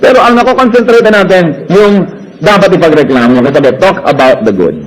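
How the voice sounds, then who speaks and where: A man's voice: high voice, expressive, a little fast, low-quality recording. A Filipino man preaching a sermon, switching between Tagalog and English and acting out quoted prayers and complaints with rhetorical questions.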